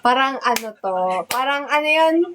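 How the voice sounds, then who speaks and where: A woman's voice: high-pitched, moderate pace, fairly bright tone, a little hiss or hum, poor audio. A young woman hosting a casual livestream, telling stories in a rambling, giggly way full of fillers, into a phone mic. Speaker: livestream host.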